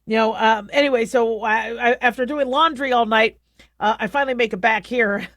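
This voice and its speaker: A middle-aged woman hosting a radio talk show, telling a rambling story in a casual way and acting out her pets in high squeaky voices. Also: normal speed, fairly bright tone, dry recording.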